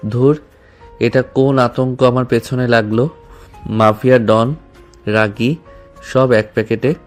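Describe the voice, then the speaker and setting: An actor playing a shy, nervous young man who speaks in a hesitant, halting way in an audio drama. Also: medium pitch, steady tone, faint music behind, close to an everyday voice. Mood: flustered.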